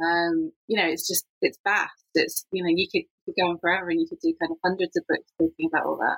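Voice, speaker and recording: The speaker is a woman talking at a fairly quick pace. The sound is dry and close, with no echo. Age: 40s. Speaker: book author. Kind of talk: casual chat. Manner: halting.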